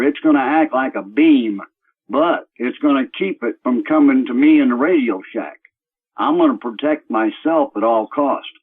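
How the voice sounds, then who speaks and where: A man phones into a talk show on speakerphone from his computer, so his voice comes through thin and tinny, like a phone line. He talks at a plain middle pitch and rambles, stalling often on fillers as he searches for words. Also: slightly rough. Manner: rambling, halting with many fillers. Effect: on speakerphone over a computer call. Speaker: caller. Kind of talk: radio call-in talk.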